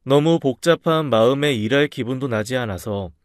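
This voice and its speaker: A man tells a first-person story in a steady, earnest, confiding voice at an ordinary middle pitch. The sound is close and dry, with no room echo around it. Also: moderate pace.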